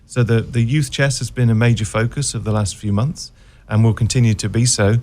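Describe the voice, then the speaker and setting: A man, a guest on a radio show, giving an update in a measured, formal way with some hesitations. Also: mid-range voice, steady tone, a little mellow. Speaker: chess federation official, guest. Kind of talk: radio interview. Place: radio studio.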